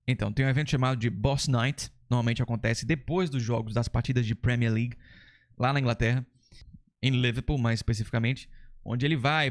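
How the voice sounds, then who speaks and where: A man from Brazil with a Brazilian Portuguese accent hosting a casual lesson, explaining things step by step in a chatty, enthusiastic way. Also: mid-range voice. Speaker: English teacher and channel host.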